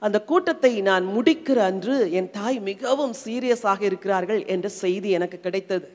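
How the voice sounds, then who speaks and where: Speaking at a moderate pace in a slightly mellow, mid-range voice, a middle-aged Tamil-accented woman from India delivers a sermon full of strong emotional swells. Her intensity rises and falls, captured in a long, reverberant hall.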